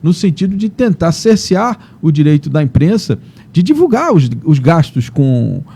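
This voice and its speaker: A man's voice: fairly high pitch, sing-song, moderate pace, gravelly, mellow, husky. A man hosting a morning news show, commenting in a conversational way, often tagging his sentences with questions. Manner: conversational, frequent "né?" tags and repetitions. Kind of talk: casual on-air commentary.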